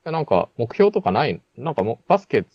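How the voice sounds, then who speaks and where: A man's voice: mid-range voice, big pitch swings, fast, gravelly, no echo. A man telling a personal story in casual chat, with many fillers and restarts. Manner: rambling storytelling with frequent fillers. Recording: dull lo-fi sound.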